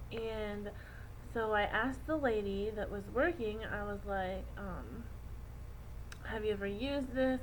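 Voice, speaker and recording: A woman is speaking. Audible room echo and noticeable background noise accompany her. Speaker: beauty vlogger. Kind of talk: casual talking video. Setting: at work, filming to camera. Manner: hesitant, many fillers; animated.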